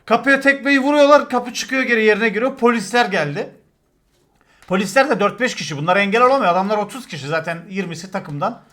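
Talking fast in a high voice, this man spins crude football anecdotes for his stream chat. The mood is loose and lively, full of swearing and shouted reenactments.

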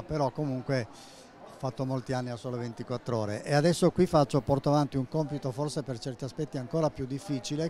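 Measured retired man in his sixties. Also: mid-range voice, dark tone. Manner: measured, with fillers. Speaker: journalist and interviewee. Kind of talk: interview at a book fair stand. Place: exhibition hall stand. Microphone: handheld interviewer mic.

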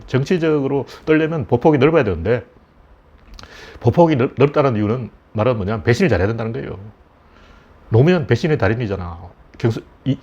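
A middle-aged man talks through politics in a blunt, scornful way, with mocking asides. His voice sits at an ordinary pitch for a man. The recording is dull and lo-fi, as if the highs are cut off. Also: darkish tone, slightly rough. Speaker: political commentator. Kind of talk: casual spoken commentary.

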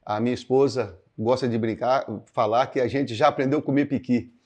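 A man in his sixties, a pastor from Minas Gerais, speaks in a middle-pitched voice. He talks slowly and reflectively, pausing to search for words and often adding little tag questions. He is close on a lapel mic in a quiet living room. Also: steady tone. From Minas Gerais, Brazil. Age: 60s. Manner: unhurried, searching for words, frequent "né" fillers, gestures with both hands. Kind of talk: reflective interview answers to camera. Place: indoors, living room with paintings. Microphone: clip-on lapel mic.

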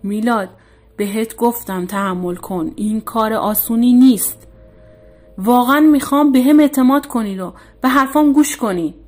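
A woman voicing a stern male exorcist who gives firm orders, in a husky voice. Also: on the high side, a little mellow, soft background music, lightly acted. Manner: commanding, stern.

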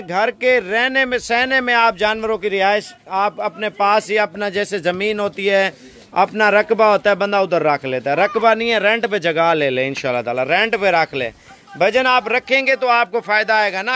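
A young Pakistani man with a high voice talks straight into a phone camera held at arm's length. He makes a persuasive sales pitch from an outdoor goat pen. He fills his talk with pious stock phrases. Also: pushed and bright. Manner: persuasive, salesy, heavy religious fillers. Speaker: goat farm seller.

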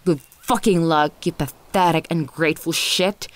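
A woman acts out an obsessive yandere ex-girlfriend for an ASMR roleplay. She speaks very slowly in a lowish female voice, condescending and possessive. Her temper is volatile and her words linger teasingly. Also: steady tone. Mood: furious, bitter. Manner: condescending, teasing, lingering on words, often breathy half-whispers. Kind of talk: ASMR audio roleplay addressed to the listener.

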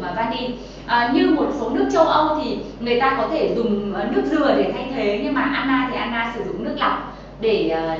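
A woman's voice: on the high side, distant mic, dull audio, background noise. Young woman, echoey kitchen studio. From Vietnam. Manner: chatty, many filler sounds, addresses viewers directly. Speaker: healthy-recipe presenter. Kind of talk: cooking and nutrition tutorial. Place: bright kitchen studio set, indoors.

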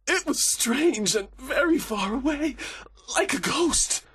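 A frantic, terrified male prisoner in an audiobook. The voice is pushed very high and swings wildly, whimpering and pleading on the edge of tears. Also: expressive, slow pace, a bit bright, full character voice. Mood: spooked, frantic. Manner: whimpering, frantic, repeating himself.

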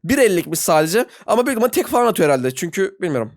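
Young man, rapid-fire gameplay commentary, animated pitch that jumps into high yelps when frustrated, slangy and excitable. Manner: talks to viewers and players in slangy banter. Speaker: gaming video host.

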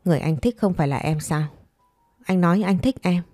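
A woman's voice: lowish voice, a little fast, dark tone, dry recording, soft background music, lightly acted. A woman voicing a clinging, reproachful young woman who insistently pleads with a former lover, in a fireside storytelling style. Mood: pleading.

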